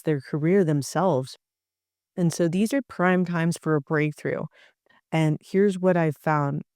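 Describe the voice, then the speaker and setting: A woman speaks into a close podcast mic with a smooth, resonant voice and a very dry sound. She delivers a motivational talk as an organizational psychologist, pressing her points with emphasis. She builds them in repeated lists. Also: low-pitched, darkish tone, no echo. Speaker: organizational psychologist and career coach.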